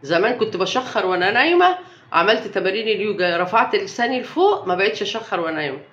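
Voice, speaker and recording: Racing through a casual health live stream, this young adult Egyptian vlogger speaks Egyptian-accented Arabic with emphasis and defiance, firing off one rhetorical question after another. Her mid-range, slightly bright voice swings widely in pitch, captured in an echoey room with dull sound.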